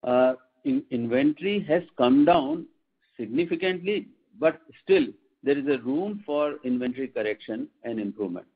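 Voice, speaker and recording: A man with an Indian accent, a company executive answering questions on an earnings conference call in a measured, formal, explanatory way. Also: medium pitch, very animated, gravelly, husky. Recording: muffled tinny phone line.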